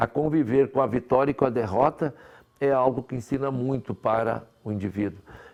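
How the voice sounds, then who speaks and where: A man talks at a moderate speed in a fairly high pitch. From southern Brazil, Rio Grande do Sul (Novo Hamburgo). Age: 60s. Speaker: city councillor. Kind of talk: interview.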